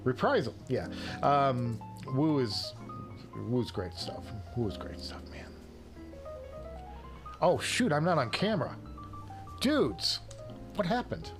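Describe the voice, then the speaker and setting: A man's voice: medium pitch, big pitch swings, takes it slowly, long pauses, music in the background. A man hosting a casual livestream, chatting with viewers in a self-deprecating, joking way. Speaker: livestream show host. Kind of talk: casual chat answering viewers' live comments.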